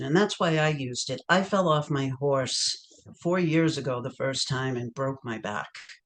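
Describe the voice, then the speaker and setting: A woman speaks at a moderate pace with ordinary pitch variation. Noticeable background noise runs behind her. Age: 60s. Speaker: holistic nurse coach. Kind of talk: podcast interview.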